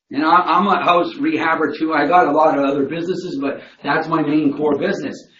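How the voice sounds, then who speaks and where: A man with a fairly high pitch, a very fast pace and audible room echo. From Quebec, Montreal. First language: not English (English is third language). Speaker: house flipper and business instructor. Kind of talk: motivational talk to audience. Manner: loud; animated.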